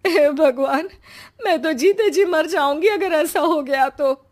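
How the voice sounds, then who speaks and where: A woman's voice: high-pitched, unhurried, a little mellow, pitched above the performer's own voice. A woman voicing an anxious, easily alarmed mother in a cartoon. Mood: fretful. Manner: fretful, exclamatory.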